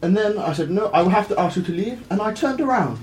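A man improvising a boastful tall tale in character, rambling and halting as he goes. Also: high voice, expressive. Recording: echoey room with faint noise.

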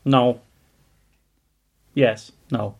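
A man's voice: medium pitch, steady tone, very slow, vocal fry, a little mellow, dull audio. A man bantering casually during a tabletop game, with a dry, mock-indignant manner. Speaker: board game player.

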